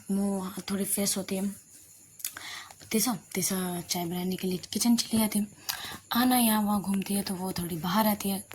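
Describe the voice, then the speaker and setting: A woman's voice: mid-range voice, darkish tone, a little hiss or hum. Woman telling an audio love story casually. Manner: loose, chatty telling with frequent restarts and self-corrections.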